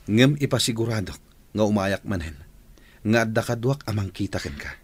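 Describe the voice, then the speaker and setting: A man's voice: lowish voice, lively intonation, brisk, a little hiss or hum, close to an everyday voice. A man playing a startled visiting engineer. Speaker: engineer Larry. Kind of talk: Ilocano radio drama acting.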